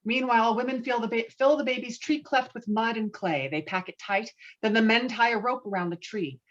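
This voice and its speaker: A woman's voice: a little high, a little fast. A woman reading scripted stage directions as narrator at a table read, slightly muffled as on a video call.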